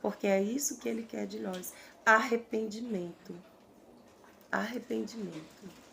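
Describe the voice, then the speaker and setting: A woman, earnestly recounting a prophetic vision in halting, repeated phrases. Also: on the high side, fairly even intonation, gravelly, bright, forceful tone, a little hiss or hum. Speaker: prophetic preacher.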